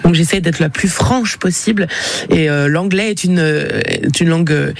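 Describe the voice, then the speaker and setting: A woman's voice: fairly low pitch, moderate pace, gravelly, dry recording. A woman of about forty, a singer, answering radio interview questions frankly and animatedly, with many fillers and restarts. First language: French.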